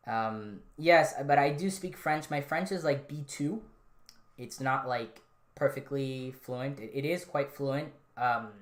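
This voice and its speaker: A man hosting a podcast, chatting casually and answering a live chat, rambling with frequent ums and restarts. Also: medium pitch. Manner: relaxed, rambling, many fillers and restarts. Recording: roomy echo.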